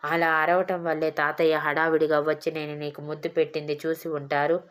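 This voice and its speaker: A woman's voice: deep voice, level tone, brisk, lightly acted. A woman voicing a bold young husband who teases and mocks his shy wife, in a storybook reading. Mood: angry.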